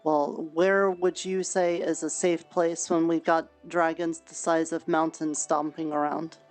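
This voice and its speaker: A woman's voice: deep voice, flat delivery, measured pace, soft background music. A woman playing a roleplay character, talking casually and hesitantly with many fillers. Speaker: roleplay player.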